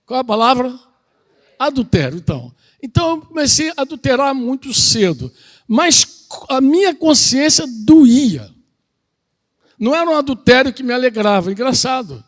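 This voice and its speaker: Preacher, man, middle-aged, high voice, informal sermon with questions to the congregation. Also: big pitch swings, normal speed. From Brazil. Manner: conversational, asks the congregation questions. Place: outdoor country retreat gathering.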